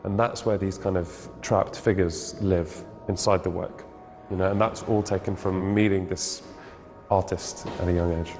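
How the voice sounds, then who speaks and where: A man's voice: low voice, steady tone, normal speed. A man in his thirties, a painter, talking thoughtfully about his work and often searching for words. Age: 30s. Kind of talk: reflective interview monologue. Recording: reverberant room with music underneath.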